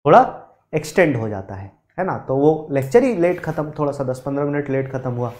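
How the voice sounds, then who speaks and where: A man teaching chemistry in a live online lecture, animated, quizzing his students and mixing in English terms. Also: medium pitch, fairly quick, roomy sound. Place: studio classroom.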